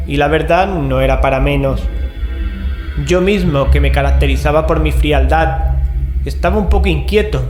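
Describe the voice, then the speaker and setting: Audio drama role for a male actor: level-headed man, higher-pitched voice, reverberant room sound with music. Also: normal speed, darkish tone, lightly acted. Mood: measured, uneasy. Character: Mario, cool-headed rational man telling a horror tale. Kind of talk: dramatized audio fiction, narration and dialogue. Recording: roomy echo, music underneath.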